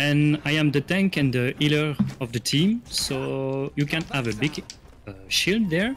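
Music plays behind a man who speaks at a fairly slow pace. His intonation is lively. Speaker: animation manager. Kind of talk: live gameplay demo stream. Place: home room. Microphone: headset.

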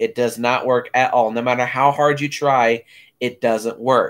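Over a quiet background, the voice moves at a moderate pace. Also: man. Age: 20s. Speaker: movie reviewer. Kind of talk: casual film review chat. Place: home room. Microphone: camera far.

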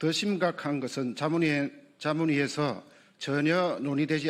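An unremarkable speaking voice from a man, fairly high in pitch with ordinary pitch variation, at a fairly slow pace on a very clean recording with a silent background. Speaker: advisory committee member. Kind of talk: press conference statement. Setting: press room at the National Assembly.

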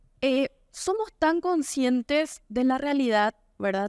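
Recorded dry with no echo, a woman speaks over a quiet background. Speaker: audience member. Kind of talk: audience question. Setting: stage with audience. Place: hall. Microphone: handheld.

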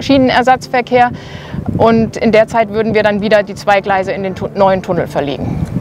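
A woman speaks at a moderate pace in a dry sound with no echo. Noticeable background noise is present. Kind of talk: informational presentation. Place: open country. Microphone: lapel.

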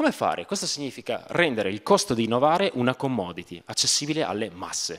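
A man talks at a very fast pace with hardly any pauses and very wide pitch swings. The background is quiet. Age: 30s. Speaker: startup founder; presenter. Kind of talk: pitch presentation. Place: stage. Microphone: handheld.

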